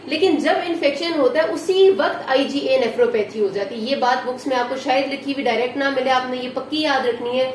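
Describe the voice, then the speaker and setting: A woman lecturing on medicine in a patient, explanatory way, often checking in with students and repeating key points. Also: high-pitched. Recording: echoey room with faint noise.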